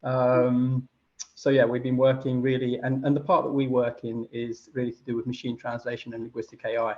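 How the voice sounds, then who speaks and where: A man born in Chile and raised in the UK, a podcast guest speaking haltingly about machine translation, with many fillers. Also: mid-range voice, flat delivery, highs cut off. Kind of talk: casual interview chat.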